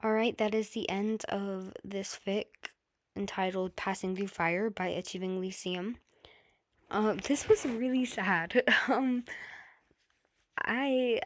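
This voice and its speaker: A woman reading fan fiction as an amateur narrator, with an earnest, slightly halting delivery. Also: medium pitch, slight background noise. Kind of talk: audiobook-style narration of an emotional story.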